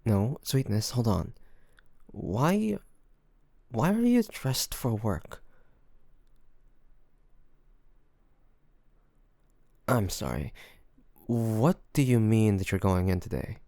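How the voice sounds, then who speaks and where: Casting: male actor as devoted, worried boyfriend for one-sided audio drama; gentle, hesitant, slightly gravelly voice, close dry sound. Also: on the low side, sing-song, no room sound, exaggerated voice. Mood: concerned, apologetic. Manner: gentle, hesitant, pleading, with sighs and pauses. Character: loving, worried boyfriend coaxing his sick partner to rest.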